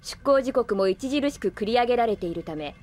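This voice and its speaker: A woman playing an emotionless female android in an anime audio drama, speaking in formal, precise, deadpan reports. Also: on the high side, fairly quick, faint music behind. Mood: detached.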